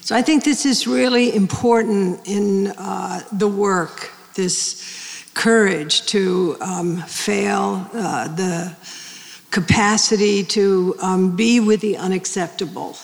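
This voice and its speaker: A woman in her seventies speaking slowly to a live audience, halting and searching, with many pauses and restarts. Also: medium pitch, vocal fry. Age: 70s. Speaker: speaker on end-of-life care at a public talk. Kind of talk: reflective talk to a live audience. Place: large hall with an audience. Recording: long hall reverb.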